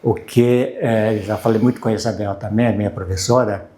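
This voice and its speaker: A man in his sixties from Brazil, a native Japanese speaker, talking casually as an interview guest in a halting way, searching for words. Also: lowish voice, steady tone, dark tone. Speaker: guest, university lecturer and language student. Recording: roomy, echoing voice recording.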